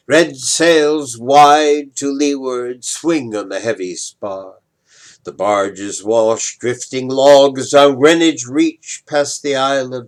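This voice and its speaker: An older man giving a dramatic, deliberate poetry recitation, moving between emphatic swells and hushed drops. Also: mid-range voice. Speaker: poetry reader, retired professor.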